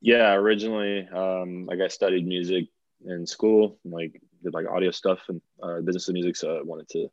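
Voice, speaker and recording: A man's voice: deep voice, steady tone, a little fast, no room sound. A young man from Bulgaria, a DJ guest on a podcast, talking casually and rambling with lots of "like" fillers and restarts. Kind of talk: casual interview chat. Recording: dull lo-fi sound.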